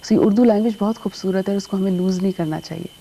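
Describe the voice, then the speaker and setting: A woman's voice: mid-range voice, rapid-fire, gravelly, mellow. A woman from Pakistan, a native Urdu speaker, answering interview questions on television and mixing English with Urdu. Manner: switches between English and Urdu mid-sentence. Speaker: guest artist.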